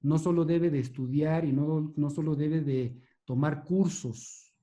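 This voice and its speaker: A man, a neurosurgeon giving a measured, explanatory lecture and answering questions, with hesitations and restarts. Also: on the high side, steady tone, warm tone.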